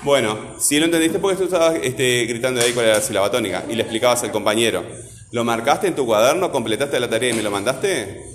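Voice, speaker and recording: Male teacher, firm and insistent, mid pitch, echoey classroom recording. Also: fast talker, slight background noise. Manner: firm, insistent, tags sentences with "¿verdad?". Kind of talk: classroom teaching and scolding a student. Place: school classroom.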